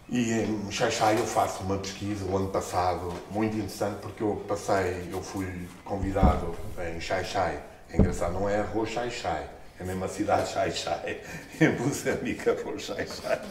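A middle-aged man with a European Portuguese accent, telling stories at a book launch, expressive and laughing often. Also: normal speed, background noise. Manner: expressive, gestures and laughs often, jumps in pitch when excited. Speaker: book author. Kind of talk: animated storytelling at a book launch. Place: small stone-walled room, indoors. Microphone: far camera. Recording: echoey room.

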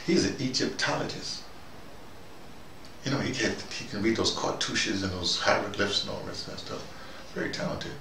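Guy doing an opinionated brainy dude rambling on, kinda creaky voice, far from the mic w loud noise behind. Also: on the low side, moderate pace. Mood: casual, rambling. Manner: digressive, animated, argumentative, punctuated with "you know". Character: theBrother, easygoing, opinionated intellectual man rambling on brotherhood. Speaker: vlogger in character. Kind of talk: casual rambling monologue. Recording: distant mic, echoey room, loud background noise.

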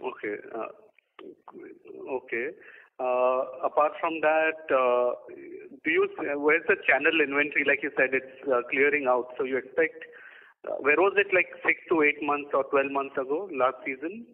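A man's voice: on the high side, moderate pace. Male analyst on a thin phone line. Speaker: investor analyst caller. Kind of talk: question on earnings call.

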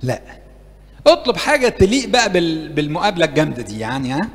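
A man's voice: fairly high pitch, fast, long reverb tail. A man with an Egyptian Arabic accent preaching a sermon to young people, asking them questions and acting out prayers. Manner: lively, asks the audience questions and acts out prayers. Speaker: priest preaching to university youth. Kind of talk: interactive sermon. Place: church meeting hall.

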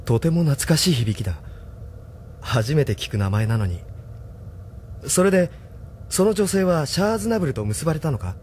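Brief: a gentle, reflective young leader, mid pitch, expressive delivery. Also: male voice, moderate pace, long pauses, slight background noise. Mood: curious. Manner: soft-spoken, reflective. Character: thoughtful young male leader, gentle and earnest. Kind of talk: radio drama acting.

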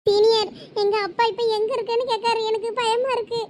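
A frightened young college student pleads and frets, acted by a woman. Her voice is very high and carries a constant anxious edge. Faint noise sits behind it. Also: level tone, fairly quick, a little mellow. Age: young adult. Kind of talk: village comedy skit acting.

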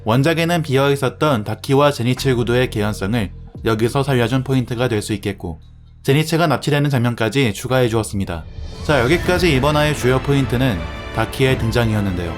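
A man's voice: mid-range voice, animated, a little fast. A man narrating a scripted anime review as the reviewer. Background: music.

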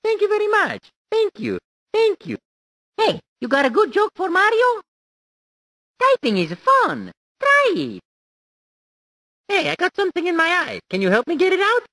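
A man's voice: huge pitch swings, normal speed, long pauses, bright, forceful tone, no echo, full character voice. A man voicing Mario, a cheerful cartoon plumber hero with an exaggerated Italian accent, giggling and cheering on a player learning to type in a video game. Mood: encouraging. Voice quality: squeaky, sing-song. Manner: goofy and encouraging, giggly. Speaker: typing tutor guide. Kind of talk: video game character voice lines.

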